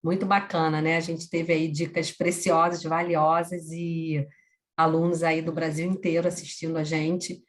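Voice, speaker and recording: A woman hosting a live webinar, speaking in a measured, formal way with frequent fillers. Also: sits low, level tone. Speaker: event host.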